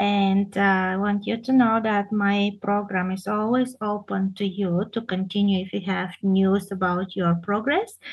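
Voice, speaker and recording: Against a quiet background, a woman with a Bulgarian accent speaks fairly slowly in a medium pitch, her somewhat breathy voice flat and monotone. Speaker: community radio host. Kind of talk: interview. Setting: video call.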